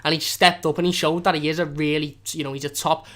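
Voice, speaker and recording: A man's voice: a little high, level tone, fast, fairly bright tone. A young man with a strong Scouse accent, hosting a fan channel live stream in casual, rambling chat with frequent restarts. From Liverpool area of England.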